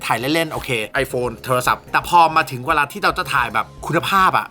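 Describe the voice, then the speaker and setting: A young man chatting casually and excitedly as he reviews a camera lens, swearing now and then. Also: medium pitch, a little fast. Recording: music bed under the voice.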